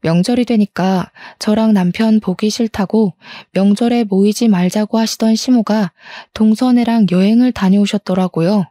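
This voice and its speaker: Female narrator for a scripted first-person story; steady, even telling, mellow voice, dry recording. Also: medium pitch, moderate pace, few pauses, no echo.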